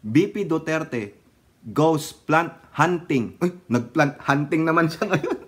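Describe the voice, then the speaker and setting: Slightly high and a bit rough, this man's animated voice takes its time as he offers sarcastic political commentary in a vlog. He has a Filipino accent, laughs often, and sings fragments of songs.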